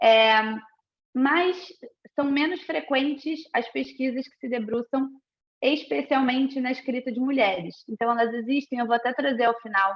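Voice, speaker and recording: Fairly slow delivery with ordinary pitch variation and big swings in loudness. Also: woman, high pitch for a woman. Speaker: historian and researcher. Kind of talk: lecture. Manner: hesitant, many fillers.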